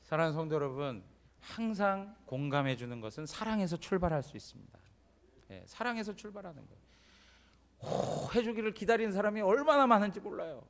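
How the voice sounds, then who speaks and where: A male pastor preaching a Sunday sermon in a church. His voice sits a little high for a man. He talks to the congregation like a neighbour, tossing them quick questions as he goes. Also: lively intonation. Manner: conversational preaching, frequent "예?" prompts to congregation. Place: church sanctuary.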